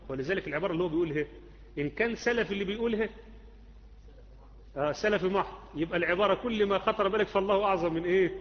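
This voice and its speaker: A man with an Egyptian accent gives a live religious lesson, explaining points conversationally and putting questions to his students. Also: high-pitched. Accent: Egyptian Arabic. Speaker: Islamic creed teacher. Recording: muffled audio with long hall reverb.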